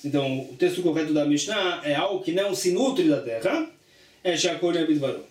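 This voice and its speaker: High-voiced man teaching from afar, echoing. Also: animated, brisk. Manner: reads text aloud, then explains it plainly with repetitions. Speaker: Talmud teacher. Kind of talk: religious study lesson. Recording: echoey room, distant mic.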